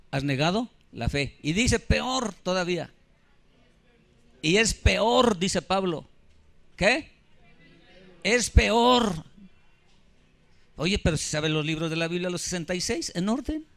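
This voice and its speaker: A pastor in his fifties preaches in a slightly high voice for a man. He speaks with emphasis and keeps turning to the congregation with questions. His delivery is a sermon, direct and insistent. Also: expressive, normal speed. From Mexico. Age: 50s.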